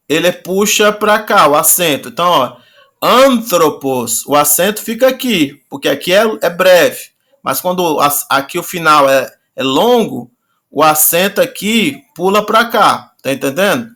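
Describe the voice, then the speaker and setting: A male teacher gives an online class, patiently repeating and slowly drawing out words. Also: a little high, lively intonation, pushed and bright.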